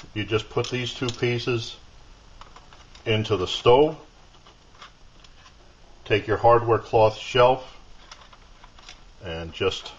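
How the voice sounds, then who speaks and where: A man giving a casual hands-on demonstration at a workshop bench, explaining each step in a plain, unhurried way. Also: medium pitch, slight background noise. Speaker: outdoor gear video maker. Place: workbench in a home workshop. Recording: dull lo-fi camera audio.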